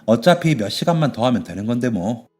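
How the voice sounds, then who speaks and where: A man voicing a tough but caring middle-aged woman who runs a bathhouse, yelling at thugs and fussing over her young worker in a radio story. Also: medium pitch, very animated, fairly quick, soft background music. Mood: doting. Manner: shouting threats, then fussing warmly.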